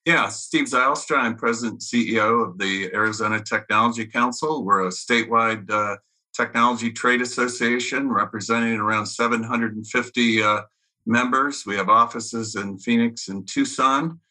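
Brief: businesslike male executive, very sharp, crisp tone, mid pitch. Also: fairly even intonation, normal speed, low-quality recording. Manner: businesslike, listing facts. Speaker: trade association president. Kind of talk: panel self-introduction.

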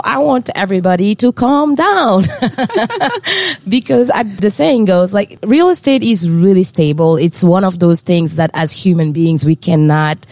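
A woman from West Africa with a West African French accent, a lively guest explaining real estate in a podcast interview. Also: fairly low pitch, no echo.

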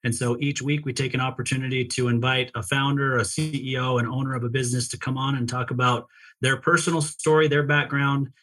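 A man's voice: medium pitch, flat delivery, fairly quick, a bit bright, rough recording. A man with a mid-range voice hosts an interview podcast. He welcomes listeners and guides his guest in a friendly, wordy way, with the easy rhythm of practiced introductions. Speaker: podcast co-host.

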